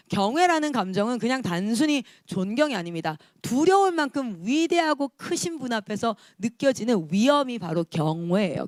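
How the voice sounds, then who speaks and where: A woman in her thirties, a missionary, preaching a lively sermon with emphatic calls and acted-out quotes. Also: fairly high pitch, no echo, studio quality.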